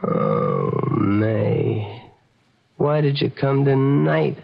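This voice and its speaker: An actor playing a nervous, lonely window dresser turned killer in old-time radio horror, speaking hesitantly with stammers. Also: male voice, medium pitch, wildly swooping pitch, drawn-out words, gravelly, a little hiss or hum, heavily acted. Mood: anxious, eager. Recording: muffled vintage radio, organ music behind.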